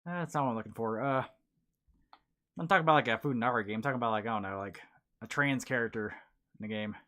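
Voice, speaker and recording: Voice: mid-range voice, fast talker, a bit bright. A stream host chatting casually, rambling and trailing off while reading game titles aloud. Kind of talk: casual chat.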